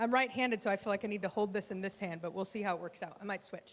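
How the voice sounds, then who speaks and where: Loud and bright with a sharp tone, a woman speaks at a fairly high pitch with ordinary pitch variation. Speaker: motivational speaker. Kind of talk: keynote talk. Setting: stage with audience. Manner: energetic.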